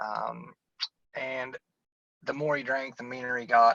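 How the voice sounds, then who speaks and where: In an Appalachian accent, a man speaks with a bright, sharp tone at a medium pitch and fairly even intonation, in a dry, close sound with no echo. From West Virginia. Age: 30s. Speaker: person in addiction recovery. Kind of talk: testimony.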